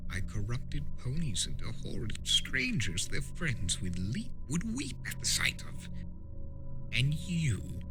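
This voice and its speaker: A man's voice: a little high, voice pushed up, heavily acted. A man voicing a mischievous chaos spirit from a cartoon, theatrical and swooping in delivery. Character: mischievous male chaos spirit, mocking yet remorseful. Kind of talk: dramatic fan fiction reading of a cartoon trickster.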